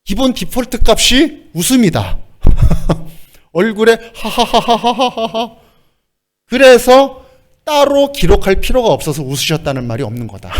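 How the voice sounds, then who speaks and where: A male pastor delivers a sermon with a voice pitched a little above the usual for a man. He is lively and expressive, breaking into short laughs and acting out the lines he quotes.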